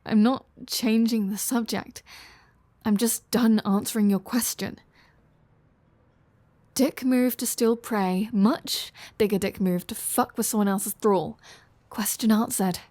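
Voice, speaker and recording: A woman's voice: medium pitch, fairly even intonation, takes it slowly, dark tone, dry recording, lightly acted. A woman playing a flirty, sardonic female vampire in an audio roleplay, teasing the listener with dry sarcasm. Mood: dry, nonchalant.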